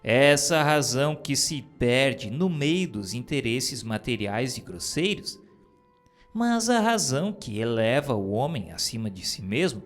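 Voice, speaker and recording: A man reading spiritist dictations aloud in a solemn, declamatory style, with slow, emphatic stresses. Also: mid-range voice, expressive. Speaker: reader of spiritist texts. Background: soft background music.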